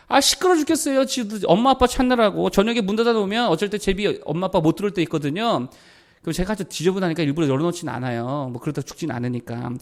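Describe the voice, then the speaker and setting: A man in middle age preaches a sermon in a fairly high voice with a gravelly edge. He keeps putting rhetorical questions to his listeners and answering them himself. When he reads scripture aloud, he slows to a measured pace. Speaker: pastor.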